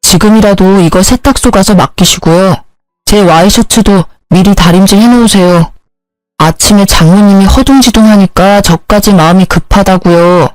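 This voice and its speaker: A woman's voice: mid-range voice, moderate pace, no room sound, faint music behind, lightly acted, rough recording. Storybook husband, petty and bossy, barking orders in a dry, close voice, as a woman reads him. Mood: demanding. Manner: curt, demanding, scolding. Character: rude entitled young husband, bossy and petty.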